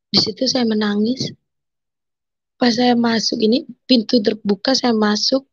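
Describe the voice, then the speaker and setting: A woman giving an emotional personal conversion testimony, telling her story haltingly and voicing her own thoughts as she speaks. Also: on the high side, fairly even intonation, slightly rough, dry recording, muffled recording. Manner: emotional, halting storytelling with quoted inner speech.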